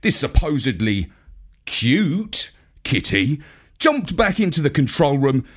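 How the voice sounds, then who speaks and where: Guy reading a kids space story as a wry dog narrator, takes his time, really animated pitch. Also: breathy edge. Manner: expressive, dramatic, measured. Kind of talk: scripted children's story narration.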